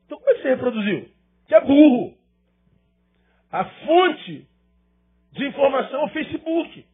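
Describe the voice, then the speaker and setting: A man's voice: very high voice, breathy edge, narrow, tinny audio. A male pastor preaching a sermon with emphatic rhetorical questions and repetition.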